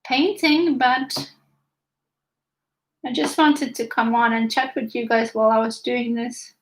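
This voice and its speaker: A woman's voice: on the high side, fairly even intonation, a little slow, reverberant, poor audio. A young woman from Finland with a Finland Swedish accent, chatting casually on a live stream while painting and reading viewer comments aloud. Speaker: art livestream host. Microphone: camera filming from above.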